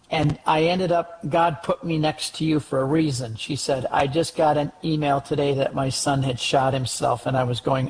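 Male interview guest, gravelly, slightly high, earnest and exhorting. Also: slight background noise, poor audio. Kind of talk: conversational interview, storytelling.

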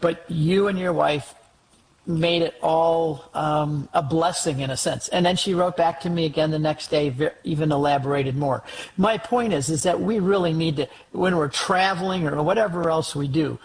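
A man with a gravelly, creaky voice pitched a little high talks as an interview guest. He tells stories earnestly and exhorts his listeners, with faint noise behind him. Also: moderate pace, low-quality recording. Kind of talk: conversational interview, storytelling.

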